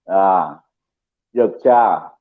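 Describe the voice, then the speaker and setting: A man from Malang, giving a lively personal testimony as a guest and acting out the people he quotes. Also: low voice, extremely slow. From Malang, East Java. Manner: lively storyteller, voices people he quotes, laughs often. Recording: tinny phone-like line.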